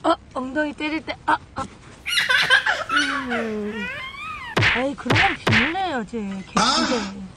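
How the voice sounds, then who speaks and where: A woman in her thirties talks straight to her viewers, bursting into squeals and playful teasing. Her voice sits very high. The handheld outdoor recording carries a noticeable hiss of wind and noise. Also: unhurried, pauses often. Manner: excitable, squealing exclamations, playful. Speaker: camping vlogger. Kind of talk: casual vlog chat to viewers. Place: frozen river outdoors in snow. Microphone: handheld camera.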